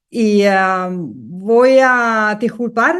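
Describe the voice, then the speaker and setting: A woman speaks with lively intonation at medium pitch. The background is quiet. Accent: Danish. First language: Danish (speaking Spanish). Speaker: mathematics professor. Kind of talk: lecture. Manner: halting, searching for words.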